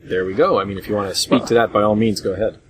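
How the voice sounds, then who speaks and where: A man hosting a casual group discussion about retro games in a rambling, hesitant way, on a low-grade voice chat recording. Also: very fast, a bit bright, a little hiss or hum. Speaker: podcast host.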